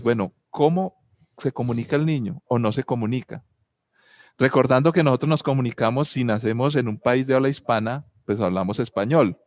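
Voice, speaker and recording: A man's voice: mid-range voice, no echo. Colombian man posing rhetorical questions. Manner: asks many rhetorical questions; tells personal anecdotes. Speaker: speaker on family and spirituality. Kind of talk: reflective talk.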